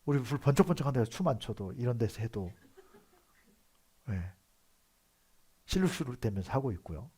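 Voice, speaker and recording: A male pastor with a Seoul accent preaching a sermon in a conversational way, moving between quiet asides and loud emphatic outbursts. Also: mid-range voice, very animated, normal speed, pauses often, slightly rough. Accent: Seoul Korean. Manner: conversational preaching with frequent affirming "yes" asides.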